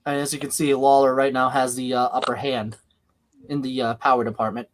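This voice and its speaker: A young man from New York hosting a casual watch-along podcast, calling the action excitedly and laughing often. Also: medium pitch, fairly quick. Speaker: podcast host.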